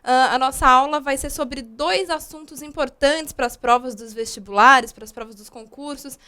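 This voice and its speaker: A woman's voice: high voice, moderate pace, sharp tone, clear, resonant tone. A young woman from Brazil teaching a grammar video lesson, explaining patiently with frequent fillers.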